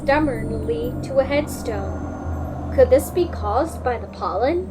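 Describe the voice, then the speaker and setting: A woman voicing a curious female detective in a fairy-tale game fandub, musing aloud in a measured way. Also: fairly high pitch, expressive, music in the background. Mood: pondering. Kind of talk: hobby fandub game narration. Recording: clearly noisy home recording.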